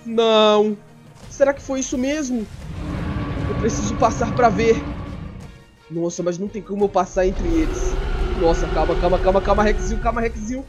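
A young man with a Brazilian Portuguese accent gives in-character gameplay commentary, voicing his creature in first person. His talk is excitable and often tips into panicked yelling. Faint game music plays under his voice. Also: high-pitched, brisk. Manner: excitable, swings into panicked shouting. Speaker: gameplay streamer.

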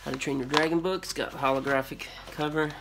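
Loud rustling, crumpling, crinkling and clicks fill a noisy handheld recording from a concrete-floored storage unit. There, a middle-aged American vlogger who resells storage auction finds unboxes items, rambling and thinking aloud quickly in a fairly high, steady voice with unscripted, casual commentary.

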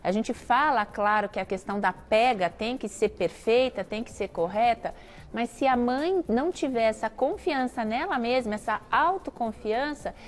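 A woman doctor with a Brazilian accent explains things on a TV talk show. Her voice is somewhat high and she talks in a fluent, advising way. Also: expressive, normal speed. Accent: Brazilian Portuguese. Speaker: gynecologist guest.

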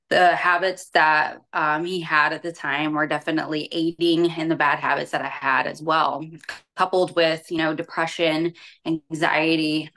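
A woman's voice: lowish voice, fairly bright tone. A young adult woman, casually telling her personal story in a conversational way, peppered with "like" and "you know". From born in Europe, grew up partly in the United States. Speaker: bikini competitor and fitness coach, podcast guest. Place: small room at home.

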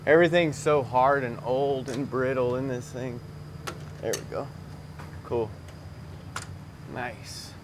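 Working under a lifted truck in a noisy auto repair garage, a folksy male transmission mechanic talks viewers through the hands-on job in a chatty way. His mid-range voice holds a steady tone at a slow pace, with frequent pauses. The camera picking him up stands a few meters off, and the shop noise comes through clearly.

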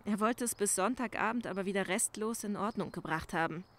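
A woman's voice: mid-range voice, fairly quick, a bit bright, natural voice. A woman playing an anxious young crime-scene cleaner in a crime audio drama, speaking hesitantly and urgently, pleading. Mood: uneasy. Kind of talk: German crime audio drama acting, conversational.

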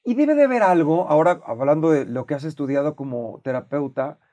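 A middle-aged man with a Mexican accent hosting a casual conversation, animated, acting out shouted quotes and swearing freely. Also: fairly high pitch, brisk. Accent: Mexican Spanish. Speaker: podcast host.

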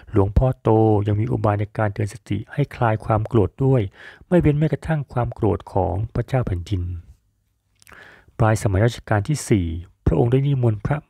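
A man tells an old folk tale in a calm, measured storytelling voice. His tone is mellow and relaxed. The recording is dry and close. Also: mid-range voice, gravelly, no echo. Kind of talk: storytelling narration.

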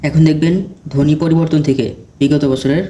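A man teaching exam preparation, reading out quiz questions and then giving each answer in a steady question-and-answer recitation. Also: on the high side, fairly quick, a little hiss or hum.

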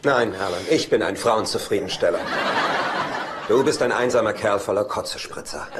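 An actor playing a cocky, sardonic, teasing bachelor brother in a German-dubbed sitcom, with a dry, smug delivery. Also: male voice, on the low side, moderate pace, heavy background noise, lightly acted. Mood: smug, mocking.

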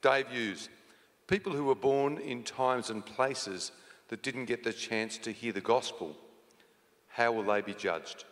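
A man's voice: medium pitch, measured pace, a bit bright. A man casually moderating a live question session, reading out questions as host. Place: theatre, live event. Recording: reverberant hall.

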